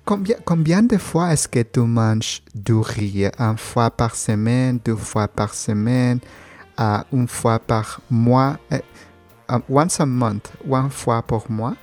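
A man whose first language is not French, asking questions in a halting way, repeating himself and correcting his own words. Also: mid-range voice, darkish tone, faint music behind. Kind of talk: casual conversation practice.

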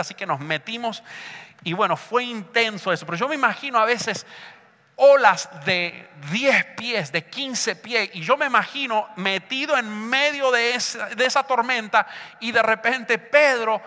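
A man's voice: high voice, sharp tone. A man preaching an impassioned sermon, shifting between Spanish and English and leading the congregation in call-and-response. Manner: impassioned, calls the congregation to repeat after him. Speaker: pastor. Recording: long hall reverb.

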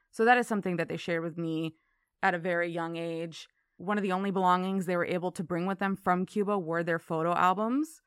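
A woman's voice: fairly low pitch, fairly bright tone, clean tone, no room sound, clean studio sound. A woman from Miami in her thirties with an American accent, telling her story casually as an interview guest. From Miami, Florida.

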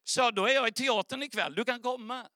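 A man's voice: very high voice, pushed and bright, no echo, studio quality. A man preaching a sermon, telling an earnest, emotional story as testimony.

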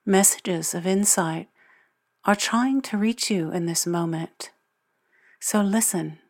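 A woman narrating a guided meditation as its guide, speaking in measured, deliberate phrases with long pauses. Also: medium pitch.

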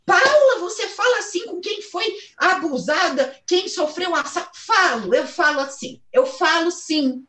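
A woman in her thirties with a Brazilian accent, giving a blunt, animated motivational talk and swearing freely. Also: sits high, echoey room. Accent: Brazilian Portuguese. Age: 30s. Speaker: host and coach.

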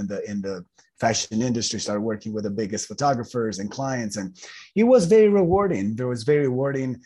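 A man's voice: fairly low pitch, a little mellow, breathy edge. A man in his thirties from Italy with an Italian accent, an interview guest telling his life story in a loose, rambling way with many fillers and restarts. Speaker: guest, ultramarathoner.

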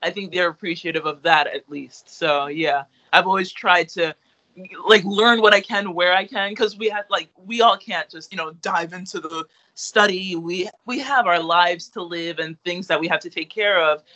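Young male interviewee, high and bright, rambling casual talk, slightly muffled audio. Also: moderate pace. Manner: rambling, lots of fillers and restarts, laughs easily. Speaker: interviewee, artist.

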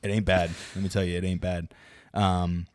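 Deep-voiced man hosting a joking podcast. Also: level tone, moderate pace, a little mellow. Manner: joking, irreverent. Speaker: podcast host. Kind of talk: casual sports banter.

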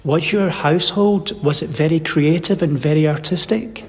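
A man interviewing someone with measured, articulately phrased questions. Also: a little high, darkish tone. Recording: long echoing reverb in a hall.

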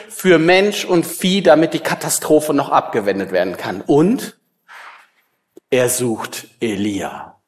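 Slow-speaking pastor man in a reverberant church. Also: on the high side, a bit bright. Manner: storytelling, dramatic pauses, rhetorical questions. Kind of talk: sermon.

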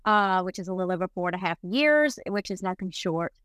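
A woman's voice: on the low side, lively intonation, a little fast, a bit bright, clean tone, no room sound, clean studio sound. A woman speaking conversationally as a podcast guest, introducing herself. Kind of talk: personal recovery introduction, conversational.

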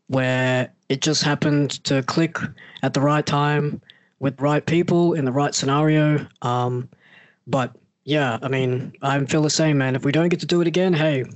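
A man's voice: a little high, no room sound. A man hosting a casual podcast interview, friendly, piling up several questions at once. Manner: friendly, asks stacked questions, says man and yeah a lot. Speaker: podcast host.

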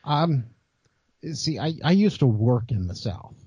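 American male co-host, husky and soft-toned, wry halting chat, slightly dull dry recording. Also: mid-range voice, lively intonation, no echo. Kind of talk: casual chat.

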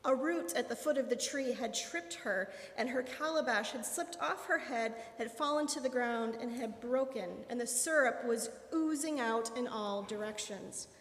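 A woman with a fairly high voice tells an animated children's story in a church sanctuary. Her amplified voice rings out with a roomy, long echo. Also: normal speed, hardly any pauses. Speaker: worship leader telling a children's story. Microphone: amplified microphone. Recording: echoey hall.

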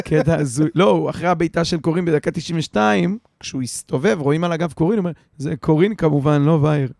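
A man's voice: fairly high pitch, vocal fry, darkish tone, no echo. A man on a podcast panel in casual football fan banter, joking and retelling what others said.

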